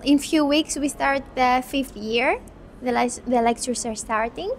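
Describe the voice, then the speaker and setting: A young Greek woman with a high, light voice answers questions in a thoughtful, unhurried way, sometimes restarting a phrase. A faint outdoor hum sits behind her. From Greece. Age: 20s. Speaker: medical student. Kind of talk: interview.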